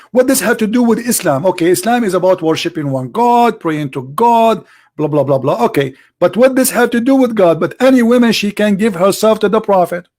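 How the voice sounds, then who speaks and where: Arab speaking guy debating religion, english, keeps repeating questions, kinda high voice. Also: a little mellow. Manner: insistent, repeats questions, non-native English phrasing. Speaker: host debating religion with a caller.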